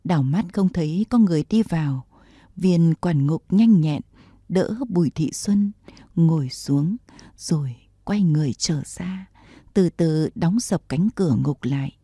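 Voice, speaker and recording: Husky low-voiced woman narrating a story. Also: animated, a little slow, warm tone, no echo, clean studio sound. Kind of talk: audiobook narration of a historical novel.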